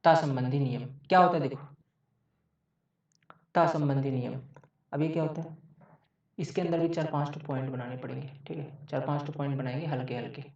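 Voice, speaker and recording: A man's voice: on the high side, fairly even intonation, a little fast, long pauses, a little mellow. Man teaching in an echoey room. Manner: repeats each point, checks with frequent "okay". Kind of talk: exam-prep grammar lecture. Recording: echoey, distant, dull mic.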